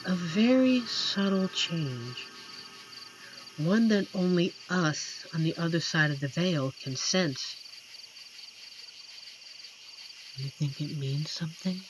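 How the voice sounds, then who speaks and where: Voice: medium pitch, lively intonation, music in the background, rough recording. A performer voicing an amiable, lonely werewolf who protects a forest, speaking tenderly and earnestly in a scripted roleplay addressed to the listener. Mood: tender, hopeful. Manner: tender, earnest, playfully corny, hesitant pauses. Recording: clear insect and night ambience behind. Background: crickets and forest night ambience.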